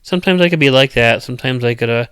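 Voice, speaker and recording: Loud rambling man chatting with viewers. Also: mid-range voice, quick pace, smooth, dry recording, studio quality. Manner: rambling, loud, uneven cadence, many restarts. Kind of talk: casual live chat.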